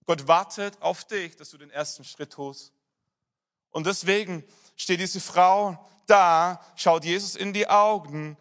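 High-voiced pastor preaching a sermon. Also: male voice. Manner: personal storytelling, drops to soft emphasis.

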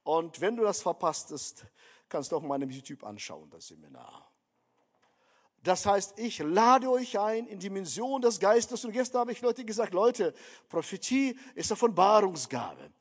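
A man's voice: high-pitched, lively intonation, moderate pace. A man preaching a sermon, emphatic, repeatedly calling his listeners dear friends. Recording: long hall reverb.

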